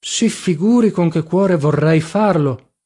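A servile, scheming secretary from a storybook, humble and ingratiating, pleading and self-pitying at every turn, as a male reader does him. His voice sits slightly high and wheedles. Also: fairly quick, mellow, slightly rough.

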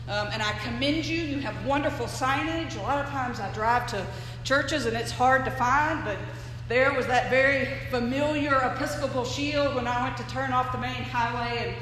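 A woman's voice: sits high, fairly bright tone, slight background noise. A woman giving a chatty, conversational sermon as a guest preacher, projecting her voice to fill the sanctuary without a microphone. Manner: folksy, chatty storytelling. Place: church sanctuary. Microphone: no microphone, picked up from across the room. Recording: echoey church hall with long reverb.

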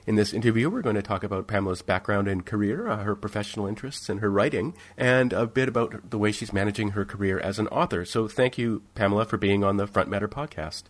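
A man hosting a podcast, introducing his guest and asking curious, halting questions. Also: fairly low pitch. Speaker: podcast host. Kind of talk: interview hosting.

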